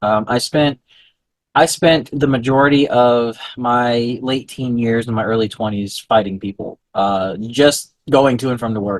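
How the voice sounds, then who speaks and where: A man with a plain, everyday voice speaks at a fairly slow pace and medium pitch, with ordinary pitch variation. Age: 30s. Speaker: podcast host. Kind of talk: casual interview chat.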